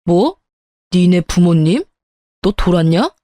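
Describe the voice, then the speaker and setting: A woman's voice: on the low side, very animated, takes it slowly, dark tone, no echo, studio quality. Woman voicing a curt, scornful cheating husband. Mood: irritated, dismissive. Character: cheating, dismissive husband, adult man, irritable.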